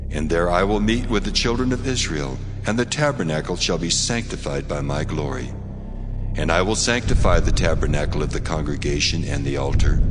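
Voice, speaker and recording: A commanding deity in a dramatized Bible reading. The booming, solemn biblical delivery is low and widely inflected, ringing out in a long reverb. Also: male voice. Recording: long reverberant hall effect. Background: music.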